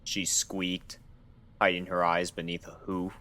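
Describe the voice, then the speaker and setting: A man narrates a story from a script. His voice sits low and he takes his time, reading at a slow, measured pace. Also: completely flat delivery, pushed and bright. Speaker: narrator of a fan fiction reading.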